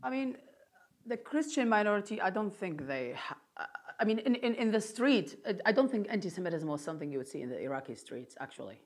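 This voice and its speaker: A man from Iraq whose first language is Aramaic, answering audience questions after a lecture with thoughtful, halting restarts. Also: high-pitched, sing-song. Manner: thoughtful, with frequent restarts and fillers.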